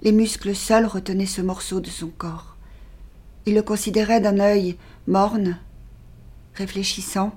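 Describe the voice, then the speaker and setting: Husky woman reading a grim tale. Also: medium pitch, fairly even intonation, darkish tone. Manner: measured, dropping to a near-whisper in grim passages. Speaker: actress reading a short story. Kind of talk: dramatic literary reading.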